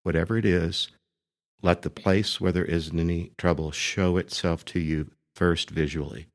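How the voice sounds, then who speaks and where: A man speaking as a priest leading a guided meditation, gently and deliberately, pausing between short phrases. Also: deep voice, fairly even intonation.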